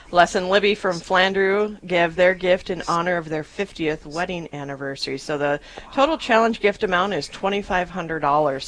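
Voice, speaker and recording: A woman's voice: lowish voice, slight background noise. Woman co-hosting a radio fundraiser. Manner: upbeat, repeats the phone number slowly. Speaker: radio co-host running a fundraising drive. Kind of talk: live radio fundraising talk.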